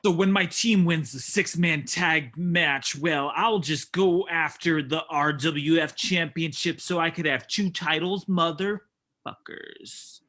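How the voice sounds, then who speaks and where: Brash, cocky male wrestler acted by a man, bright forceful voice, taunting promo delivery. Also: fairly high pitch, slow. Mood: boastful, aggressive. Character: brash, boastful, trash-talking male pro wrestler. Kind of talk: staged reading of wrestling promos.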